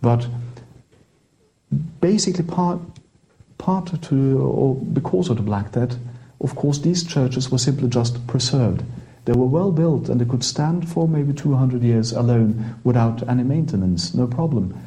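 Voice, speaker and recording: Man, Norwegian accent, priest, warm mellow tone, chatty with restarts. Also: mid-range voice, poor audio. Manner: chatty, halting restarts, light laughter. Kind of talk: interview guest explaining history.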